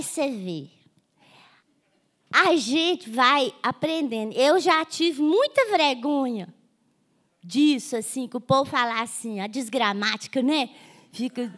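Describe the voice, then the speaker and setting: A woman's voice: high voice, measured pace, fairly bright tone. An older woman with a Minas Gerais accent, a guest author telling humorous folksy stories on a festival panel, often checking in with "não é?". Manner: humorous, keeps asking "não é?".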